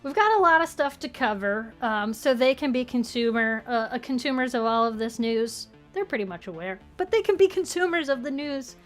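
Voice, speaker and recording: Female co-host, high-pitched, casual live show banter, music in the recording. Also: animated, fairly quick, hardly any pauses.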